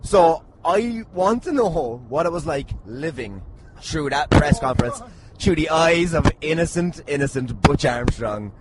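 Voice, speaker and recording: An Irish man with a fairly high voice hosts a loose comic chat. He teases and swears freely as he talks. Loud noise runs through the recording. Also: expressive, unhurried. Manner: jokey, teasing, sweary. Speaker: podcast host. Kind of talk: casual comic banter. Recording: very noisy, slightly distant at times.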